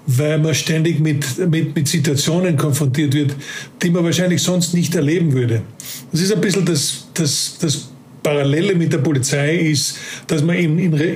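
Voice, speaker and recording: This man in his fifties, a former police officer with a Carinthian Austrian German accent, speaks reflectively as a guest in a casual interview, often repeating words while searching for them. His voice sits fairly high with a darkish tone, and a little hiss or hum runs underneath.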